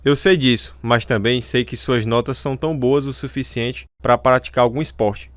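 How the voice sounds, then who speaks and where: Straight-talking baseball coach male actor, medium pitch, supportive, dry studio radio-drama sound. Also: steady tone, normal speed, dry recording, natural voice. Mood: encouraging, firm.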